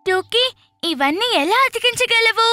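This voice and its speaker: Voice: extremely high pitch, animated, measured pace, pushed and bright, no echo, soft background music, full character voice. An actor voicing an eager, playful little child in a children's cartoon, speaking in a childlike way. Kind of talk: animated children's cartoon acting.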